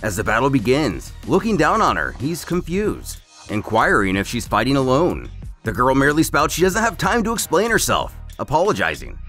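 A man's voice: medium pitch, huge pitch swings, moderate pace, fairly bright tone, soft background music. A man narrating a scripted story recap as a host, in a storyteller's delivery.

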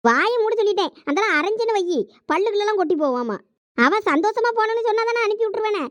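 Shrill fast-talking village mom, bossy, thoothukudi accent, dry sound, a woman doing it. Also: expressive, fairly bright tone, no echo. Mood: scolding. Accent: Thoothukudi Tamil. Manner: scolding, domineering. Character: scolding village mother, bossy and loud. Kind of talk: village comedy skit.

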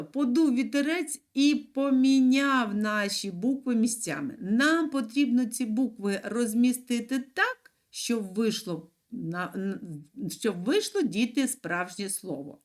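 A woman teaching young children in a video lesson, speaking clearly and encouragingly with sing-song emphasis. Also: on the high side, animated, slow. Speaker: primary school teacher.

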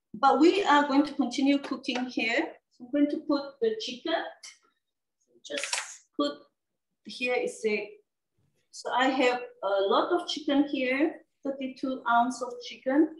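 A woman with a high voice hosts a cooking demonstration, casually explaining each step with many fillers and frequent "okay?" checks. She's recorded from a distance in an echoey room with slight background noise.

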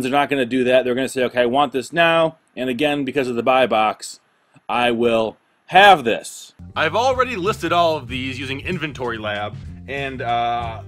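A man's voice: on the high side, fairly bright tone. A young American man talking casually as he explains things in an instructional vlog. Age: young adult. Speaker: online reselling vlogger. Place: indoor room stacked with boxes.

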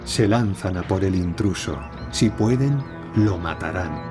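A man reads scripted nature documentary narration in a measured, dramatic storytelling way. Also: deep voice, expressive. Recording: studio voice-over over prominent music. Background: music, animal sounds.

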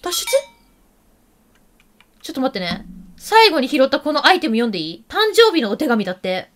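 A woman giving lively gameplay commentary, chatting to the game characters and to her viewers. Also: high-pitched, brisk. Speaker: game video host.

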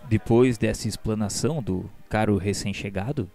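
Low, mellow male narrator over music. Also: creaky. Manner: formal, literary, measured. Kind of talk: scripted radio novela narration. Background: background music.

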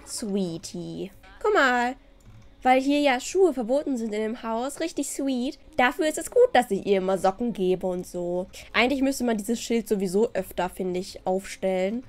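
A woman's voice: fairly high pitch, expressive, moderate pace. A woman giving casual let's-play commentary, chatty and exasperated, dropping English words into her talk. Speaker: gaming YouTuber.

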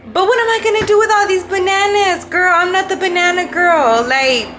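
A woman's voice: very high voice, normal speed, noisy background. A young woman from Houston, Texas, chatting casually and informally as a vlog host in her home kitchen. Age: young adult. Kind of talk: casual vlog chat while cooking. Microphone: handheld or counter-set camera.

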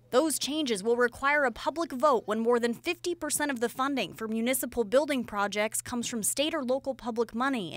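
Woman TV reporter, 30s, high-ish voice, steady newscast read. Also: no room sound. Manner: clear, measured newscast delivery. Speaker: field reporter. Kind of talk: live news report and voice-over. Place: outdoors at night outside a library.

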